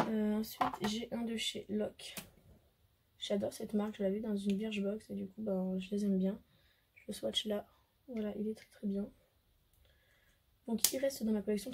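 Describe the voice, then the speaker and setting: A hoarse woman with a French accent, a beauty vlogger chatting casually to camera, hesitant and full of fillers. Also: medium pitch, level tone, moderate pace, long pauses, heavy background noise. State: hoarse, losing her voice. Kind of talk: casual makeup haul chat to camera.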